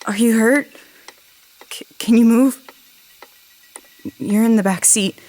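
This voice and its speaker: A woman playing a frightened, injured young crash survivor in an audio drama, halting and pleading as she repeats herself. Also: on the high side, mellow. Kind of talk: naturalistic audio drama acting.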